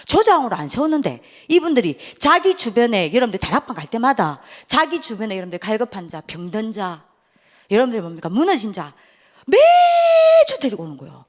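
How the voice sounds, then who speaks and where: A woman evangelist preaching a sermon, telling a story and acting out the dialogue, often dropping to a hushed whisper for quoted lines. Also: medium pitch. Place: church youth retreat hall.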